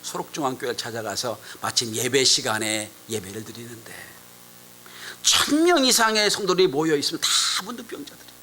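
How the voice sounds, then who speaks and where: A man delivers a sermon as a pastor, in a bright, forceful voice. He tells a story with dramatic swings, rising suddenly loud for emphasis and dropping to hushed asides. A faint hiss and hum sit beneath the recording. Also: mid-range voice, sing-song, a little fast, low-quality recording.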